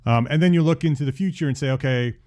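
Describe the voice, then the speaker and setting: A man hosting a business podcast who asks questions in a halting way, with many restarts. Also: a little high, a little mellow. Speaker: podcast host, architect. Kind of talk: casual interview questions.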